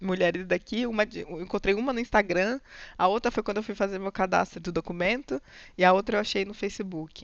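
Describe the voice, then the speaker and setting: Talking at a fairly quick pace, a woman uses a medium pitch. Her pitch variation is ordinary. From Brazil. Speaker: refugee from Ukraine war. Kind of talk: interview, casual chat.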